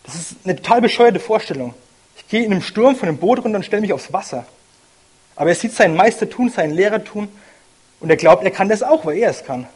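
A man's voice: sits high, expressive, fast talker, a little mellow, slightly rough. A young man giving an informal, personal sermon, earnest and thinking aloud as he goes. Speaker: lay preacher.

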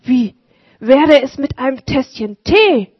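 An excitable, warm-hearted old shoemaker calls out eagerly from a storybook, put on by a woman narrator. The voice sits high and a little breathy. The recording is dull and lo-fi. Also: slow pace, no room sound, exaggerated voice. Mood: friendly.

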